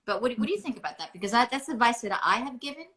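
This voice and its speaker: An American woman talking as an interview guest, her voice bright and forceful. She chats in a rambling way, starting sentences over and over. It is relaxed, conversational talk. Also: on the high side, rapid-fire. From United States. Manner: chatty, rambling, many restarts. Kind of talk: casual interview chat.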